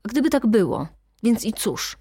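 A woman's voice: mid-range voice, takes it slowly, darkish tone, no echo, natural voice. Woman voicing a young wife, hard and defiant, dry close voice, audiobook scene.

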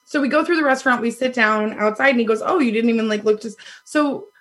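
A woman in her thirties tells a dating story in loose, casual chat. Her voice is husky, loud and a little high. She acts out what people said and laughs often. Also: fast talker. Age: 30s. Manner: animated, laughs often, acts out quoted lines. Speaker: podcast guest telling a dating story.

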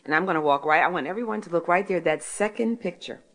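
A woman in her sixties from Philadelphia, sharing a faith testimony with an audience, telling stories and asking and answering her own questions. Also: quick pace. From Philadelphia, United States. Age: 60s. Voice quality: deep voice. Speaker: author and speaker.

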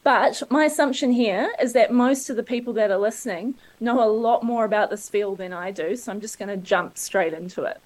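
A woman's voice: on the high side, brisk, hardly any pauses, poor audio. A woman with a New Zealand accent giving a conference talk, joking and self-deprecating. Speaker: conference speaker.

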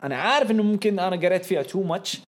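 A young man talks through a podcast episode in a loose, chatty way. He gets worked up and circles back on the same words again and again for emphasis. His voice sits a little on the higher side. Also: very fast. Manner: excitable, repeats phrases for emphasis. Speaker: podcast co-host. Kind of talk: casual podcast commentary.

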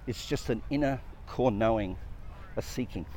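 A man's voice: lowish voice, normal speed, darkish tone, a little hiss or hum. A man giving an earnest, reflective talk on personal growth, stacking up lists of questions and repeating phrases.

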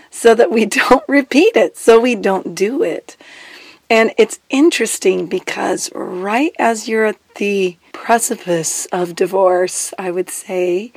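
A woman's voice: mid-range voice, dry recording. A woman who has lost her voice, hosting a solo advice podcast as a divorce coach, chatty and direct and laughing between her points.

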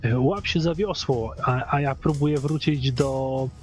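A man at a middle pitch plays a tabletop role-playing game and describes what his character does. He hesitates a lot and fills the gaps with small filler sounds, while faint music plays underneath. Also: unhurried. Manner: hesitant, full of filler words. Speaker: player. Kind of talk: casual in-character play.

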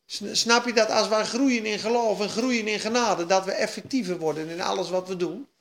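A woman delivering a sermon in an echoey room, her voice bouncing off the walls. She is emphatic, dropping into quiet asides and then rising into loud, excited bursts. Her pitch sits in an ordinary middle range. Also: normal speed. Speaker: preacher.

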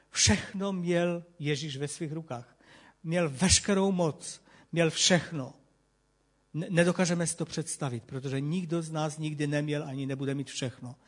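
A male preacher gives a sermon in a church hall, reading scripture and explaining it. He speaks earnestly and emphatically, repeating phrases to stress them, in a somewhat high voice for a man.

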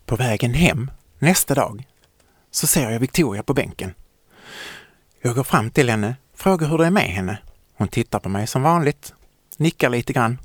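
A man narrating a children's story in a gentle, lively way. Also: medium pitch, breathy edge, no echo.

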